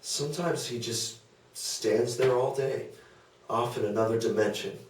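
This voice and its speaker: A man's voice: medium pitch, a little slow, a little hiss or hum, close to an everyday voice. A man playing an earnest, exasperated disciple in a comedic table read, protesting with some hesitation. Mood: earnest, defensive. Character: earnest, exasperated male disciple defending his revered philosopher. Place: small indoor meeting room. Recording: roomy, distant meeting-room pickup.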